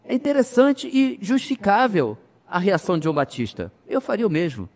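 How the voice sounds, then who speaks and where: A man preaching a sermon as pastor, addressing the congregation as brothers, emphatic with slow pauses. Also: high voice, big pitch swings, darkish tone. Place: church. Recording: reverberant church hall.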